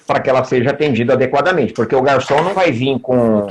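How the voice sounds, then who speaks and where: A man with a Brazilian Portuguese accent, a guest in a casual interview chat, who explains in a measured way with everyday examples. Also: medium pitch, breathy edge.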